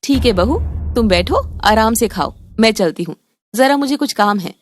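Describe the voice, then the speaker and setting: A woman voicing a teasing, scheming mother-in-law in an animated story. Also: fairly high pitch, moderate pace, close to an everyday voice.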